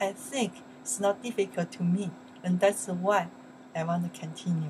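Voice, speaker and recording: Light background noise sits behind the recording. A woman talks with ordinary pitch variation. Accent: Chinese. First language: Mandarin Chinese. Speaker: Chinese language teacher. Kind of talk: language lesson. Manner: halting, repetitive. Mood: cheerful and friendly. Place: home room. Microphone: webcam.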